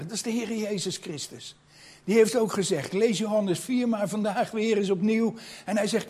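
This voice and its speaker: A man's voice: high-pitched, a little mellow, husky. A man preaching a sermon in a reflective, personal way, asking his listeners rhetorical questions.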